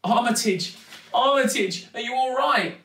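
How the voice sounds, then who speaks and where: Plucky young storybook girl, voiced by a man: earnest, anxious, caring, pitched high, in an echoey room. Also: unhurried, a bit bright. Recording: echoey room, distant mic.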